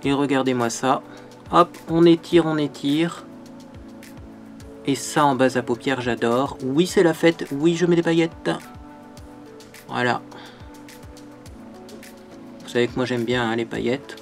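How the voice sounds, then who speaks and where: A man's voice: mid-range voice, measured pace, pauses often, soft background music. A man hosting a makeup tutorial, talking in a bubbly, chatty way and often tagging his sentences with little fillers. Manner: bubbly, chatty, peppered with "hein". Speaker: beauty vlogger.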